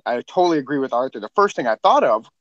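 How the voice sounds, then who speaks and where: An earnest man with a lower voice, a former soldier who designs the sound, talks in halting runs full of restarts. The mic is dry and a little dull. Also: sing-song, fairly bright tone, dry recording. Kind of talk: casual podcast chat.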